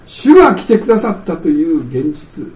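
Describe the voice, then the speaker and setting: A man's voice: on the high side, normal speed, a little hiss or hum. A middle-aged man preaching a sermon as pastor, telling stories animatedly and acting out scenes. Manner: animated storytelling, acts out scenes. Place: church sanctuary. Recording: echoey church hall from far off.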